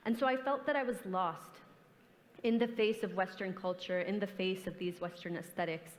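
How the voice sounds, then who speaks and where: A woman's voice: mid-range voice, fairly even intonation, normal speed. A young woman, an artist, answering on a forum panel in an earnest, reflective, impassioned way. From grew up in the US and Canada. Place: large conference hall. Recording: hall reverb, stage mic.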